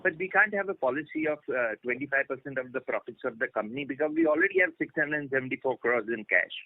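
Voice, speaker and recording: A man's voice: mid-range voice, very animated, fast talker, creaky. Insistent Indian man on a phone line. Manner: insistent, repetitive. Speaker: shareholder asking questions. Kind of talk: informal pleading on an earnings call. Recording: narrow tinny phone line.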